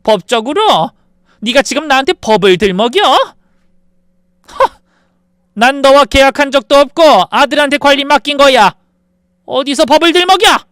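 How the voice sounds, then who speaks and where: A furious older mother in a story reading, as a man puts her on, scolding in sharp, demanding bursts. The voice sits very high and rings smooth and clear in a dry, close space with no room sound. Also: expressive, moderate pace, no echo.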